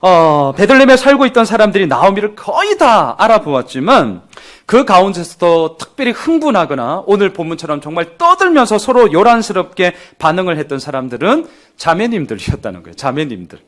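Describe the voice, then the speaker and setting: A man preaching a sermon as pastor to his congregation, animated and acting out the voices of townspeople as he goes. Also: high voice, fairly quick. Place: church sanctuary with congregation.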